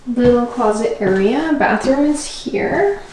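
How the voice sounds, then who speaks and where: A woman's voice: a little high, expressive, takes it slowly, noisy background. A woman talking casually to camera as a travel vlogger, in an informal, conversational way with "like" sprinkled through. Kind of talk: casual vlog chat to camera.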